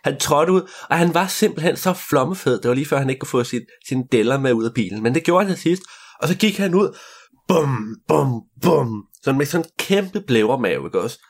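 A man's voice: on the high side, sing-song. Young man spinning a playful tale. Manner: playful, adds sound effects. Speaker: co-storyteller. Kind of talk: improvised storytelling with a friend.

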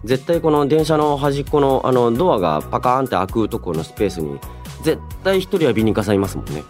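A man's voice: medium pitch, sing-song, fast, a little mellow, soft background music. A young man hosting a radio show, talking casually and politely as he muses aloud and handles listener mail. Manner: chatty, musing aloud, polite but informal. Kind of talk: casual solo radio talk, reading and answering listener mail.

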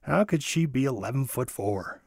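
A man giving a theatrical, expressive dramatic reading of a childhood holiday memoir, with wonder and deliberate pauses. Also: medium pitch, vocal fry, breathy edge, dry recording, clean studio sound. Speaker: storyteller. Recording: music under the voice. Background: music.

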